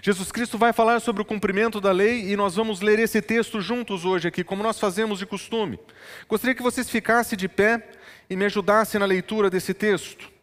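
A man's voice: sits high, fairly even intonation, fairly quick, fairly bright tone. A male pastor preaching a sermon, telling stories from his childhood and building to emphatic teaching. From northern Brazil. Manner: storytelling, rising to emphatic preaching. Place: church. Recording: long church reverb.

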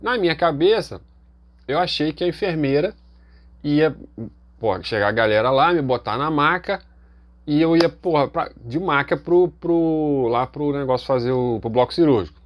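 A man telling a funny personal story in a podcast studio, animated and profane, with lots of fillers. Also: fairly high pitch, normal speed. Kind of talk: casual comic anecdote.

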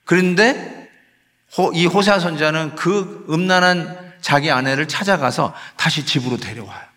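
A man's voice: on the high side, moderate pace, sharp tone. A man preaching a sermon as pastor, in a conversational style that slips English phrases into his talk and acts out sighs and scolding. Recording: long hall reverb.

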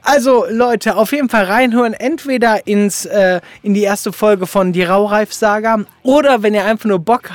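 Man, high-pitched voice, podcast host, dry close sound, informal, enthusiastic. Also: dry recording. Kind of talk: casual podcast interview.

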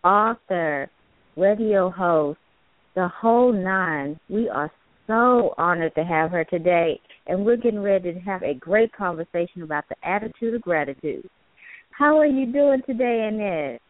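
A woman's voice: lowish voice, animated, measured pace, no room sound. A woman hosting an online talk show, welcoming guests and chatting with an easy laugh. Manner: warm-toned welcoming host, laughs easily. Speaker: host. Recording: tinny phone line, dry.

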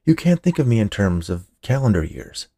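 A man voicing a gentle, earnest young man who explains himself patiently in a narrated story. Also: lowish voice, very animated, moderate pace, breathy edge, heavily acted. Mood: reassuring.

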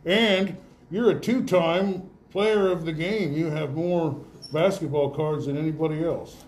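A man hosting a casual awards interview in a folksy, rambling, halting way. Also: on the high side, steady tone, a little mellow, slight background noise. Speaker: radio host interviewing high school athletes. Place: indoor room with guests present.

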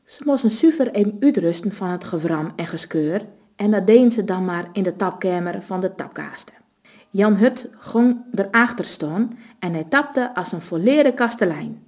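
A woman with a Low reading a story aloud in a steady, even narrating voice. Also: normal speed.

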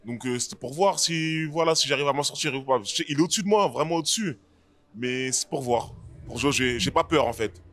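A man's voice: mid-range voice, fairly quick, fairly bright tone. A man who is an MMA fighter, answering interview questions casually and hesitantly, with many fillers and restarts. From France.

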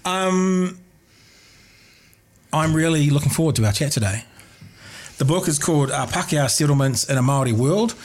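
A man hosting a casual live radio interview, chatty and rambling, slightly husky after an illness. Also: a little high, lively intonation, moderate pace, pauses often. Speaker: radio host.

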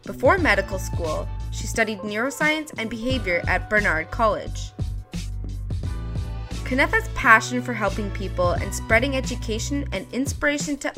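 An upbeat woman hosts an interview podcast. Her voice sits at a middle pitch, and she affirms her guest often. She reads a scripted opening, then moves into relaxed, casual conversation. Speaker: podcast host.

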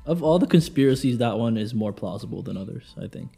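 A man chatting casually and jokily in a laid-back, bro-like way, with hesitant pauses. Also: mid-range voice, expressive, vocal fry, dark tone, breathy edge, faint music behind. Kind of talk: casual joking podcast chat.

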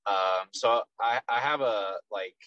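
A man in his twenties with a Texas accent, a professional soccer player, answering interview questions in a relaxed way with many ums and restarts. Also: on the low side, takes it slowly, no echo, dull audio. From Texas, USA. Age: 20s.

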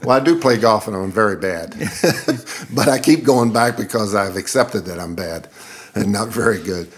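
A man's voice: on the low side, moderate pace. Earnest man in his seventies. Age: 70s. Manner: earnest, reflective, laughs easily. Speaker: guest. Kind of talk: interview conversation.

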